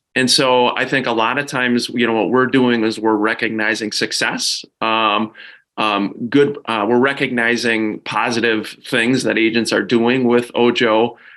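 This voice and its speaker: In a Minnesotan accent, a man with a medium pitch and a bright, sharp tone speaks at a fairly slow pace with monotone, flat intonation and very even loudness. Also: quiet background. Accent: Minnesota. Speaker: real estate team leader. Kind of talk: panel discussion.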